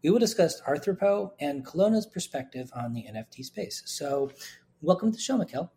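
A man hosting an interview show, asking questions conversationally in a husky voice. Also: a little high, lively intonation, a little fast, dark tone.

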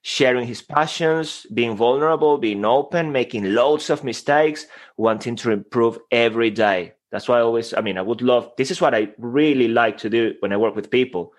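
A passionate man speaking English with a Venezuelan Spanish accent, his first language Spanish. He talks with energy and conviction, sometimes lifting into loud, playful bursts. His voice sits at an ordinary middle pitch. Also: moderate pace. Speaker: guest, voice coach. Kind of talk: energetic conversational interview.

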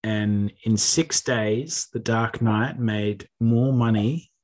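A man hosting a podcast, talking in a relaxed, chatty way and laughing easily. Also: lowish voice, takes it slowly. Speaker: podcast host. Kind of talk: casual podcast chat.

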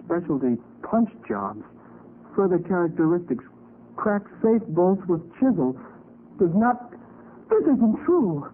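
An actor playing an earnest, excitable young would-be detective in a 1940s radio drama, eager and emotional. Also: male voice, high-pitched, slow, full character voice. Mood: upset, protesting. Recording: scratchy, tinny 1940s radio recording.

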